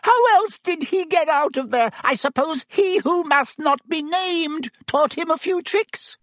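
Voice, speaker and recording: A man voicing a cowardly, panicky traitor in an audiobook, with a shrill, breathless, pleading voice. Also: unhurried, a bit bright, no echo. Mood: defensive panic. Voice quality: shrill, squeaky. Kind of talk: audiobook character acting.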